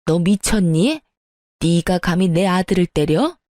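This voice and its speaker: A woman voicing a greedy, scheming older mother-in-law in a read-aloud story, with a slow, condescending drawl. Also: on the low side, expressive, warm tone, dry recording, studio quality. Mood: indignant.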